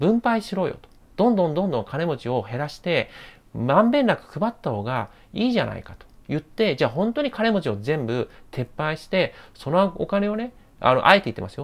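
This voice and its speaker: At a fairly quick pace, a man speaks in a high pitch with very wide pitch swings and big swings in loudness. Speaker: investment YouTuber; investor commentator. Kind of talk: market commentary monologue. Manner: fast; many filler sounds. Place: home room. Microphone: lapel.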